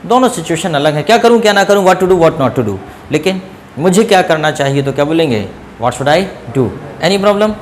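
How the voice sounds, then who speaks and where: A man teaching English grammar in Hindi, saying example sentences slowly and often asking his students if they follow. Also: a little high, lively intonation, a little hiss or hum, low-quality recording. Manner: asks students checking questions. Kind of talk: classroom grammar lesson.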